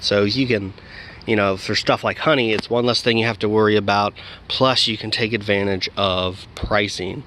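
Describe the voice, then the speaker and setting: A man's voice: lowish voice, a bit bright, a little hiss or hum. A man talking casually in a vlog, rambling with many fillers and restarts, recorded outdoors. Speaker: diet vlogger.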